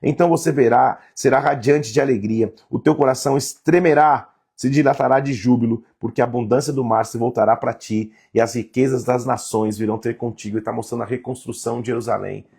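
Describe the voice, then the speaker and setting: A man's voice: medium pitch, fairly even intonation, quick pace, gravelly, hardly any pauses, darkish tone, slightly rough. A man reading Bible passages aloud and explaining them in a casual, conversational way. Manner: reads verses aloud, then comments in a casual tone. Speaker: Bible teacher.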